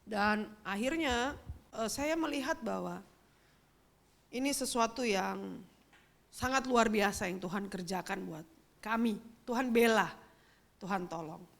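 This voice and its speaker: A woman's voice: mid-range voice, unhurried, vocal fry, long pauses. A middle-aged woman pastor, giving a sermon as a chatty personal story and speaking straight to the congregation. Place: church.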